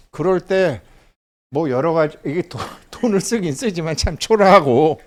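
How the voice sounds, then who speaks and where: A middle-aged man giving a casual lecture, chatty, telling stories and laughing often as he acts out little bits of dialogue. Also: a little high.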